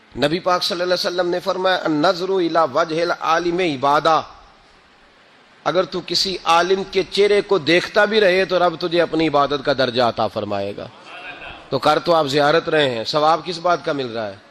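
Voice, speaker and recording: Through noticeable background noise, a high-pitched man speaks with ordinary pitch variation. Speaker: Islamic preacher delivering a religious sermon. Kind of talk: Islamic sermon (bayan) on saints' stories, delivered to an audience. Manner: passionate, preaching, emphatic.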